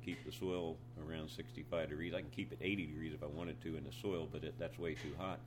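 In an American accent, the speaker uses lively intonation. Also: man. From US Northeast (Pennsylvania). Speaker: homesteader and Marine Corps veteran. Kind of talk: casual interview.

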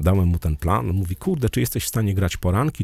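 A man with a very deep, low pitch and a dark, mellow, somewhat breathy tone talks at a very fast pace with very wide pitch swings. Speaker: motivational podcaster and former radio presenter. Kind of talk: motivational monologue.

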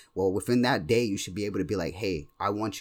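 Speaking very fast with an American accent, a man uses a fairly low pitch with ordinary pitch variation. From Brooklyn, New York. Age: 20s. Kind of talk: interview conversation.

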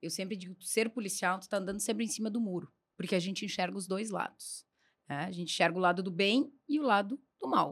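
A woman at a medium pitch, talking at a very fast pace. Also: ordinary pitch variation. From interior of Rio Grande do Sul, Brazil. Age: 40s. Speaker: former police chief. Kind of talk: interview.

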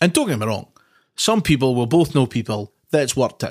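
In a very clean recording with a silent background, a man with a plain, everyday voice talks fairly quickly at medium pitch. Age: 30s. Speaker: podcast host. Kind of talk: casual chat.

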